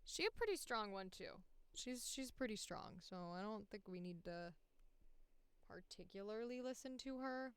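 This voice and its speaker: A woman's voice: medium pitch, expressive, normal speed, clear, resonant tone, no room sound. A woman hosting a livestream as a voice actor, chatting casually in a self-deprecating, joking way.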